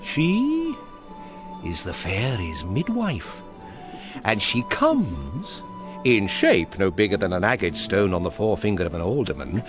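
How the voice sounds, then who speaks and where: Witty young british nobleman, shakespeare radio play, wild up and down pitch, slow and savoring, bawdy tease. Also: huge pitch swings, over music. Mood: gleeful, fanciful. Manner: theatrical, teasing, swings from gleeful to brooding. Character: mercurial, witty young nobleman spinning fantastical bawdy tales. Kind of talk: Shakespearean radio drama acting.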